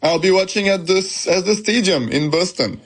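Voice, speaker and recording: A man's voice: high voice, lively intonation, moderate pace, husky. A man, a football fan, answering radio interview questions in an earnest, opinionated way.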